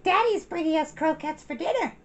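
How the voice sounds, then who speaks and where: Woman voicing an earnest little girl, pitched high. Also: lively intonation, a little fast, a little hiss or hum. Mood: self-important. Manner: earnest, simply spoken. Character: little girl, earnest, a bit self-important. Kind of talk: children's storybook read-aloud.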